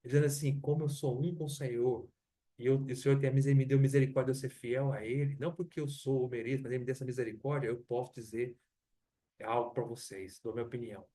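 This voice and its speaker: A man's voice: mid-range voice, fairly even intonation, quick pace, dark tone, far from the mic. A man with a Brazilian accent preaching a Bible study in church, teaching conversationally, asking rhetorical questions and repeating himself. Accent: Brazilian Portuguese. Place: church hall.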